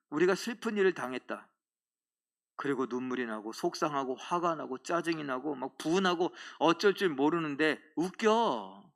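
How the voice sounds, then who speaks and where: Male pastor preaching in church, high voice, bright ringing tone, jokes with the crowd. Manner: animated, acts out voices and jokes with the congregation. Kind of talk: sermon. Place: church sanctuary.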